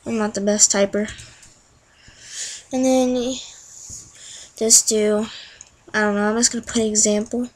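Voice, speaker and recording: A young woman chatting through each click in a casual screen-recorded software tutorial. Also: medium pitch, little pitch movement, unhurried, pauses often, low-quality recording. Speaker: tutorial narrator.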